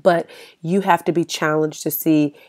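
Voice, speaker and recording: On her solo podcast, a U.S. host speaks at normal speed in a low, darkish voice with fairly even intonation. She chats encouragingly with lots of ums, her voice clogged by a cold.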